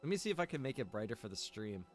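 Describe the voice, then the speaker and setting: A man with a lively, swinging pitch talks casually on a game stream. He is chatty and informal, thinking out loud for his viewers, with music playing behind him. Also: rapid-fire. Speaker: live streamer.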